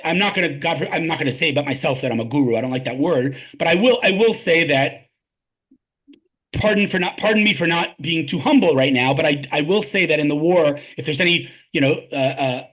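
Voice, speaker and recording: The speaker is a man with a fairly high-pitched, fairly bright voice, a tech advisor guesting on an interview podcast. In this conversational exchange he is emphatic and tends to repeat words when starting a sentence.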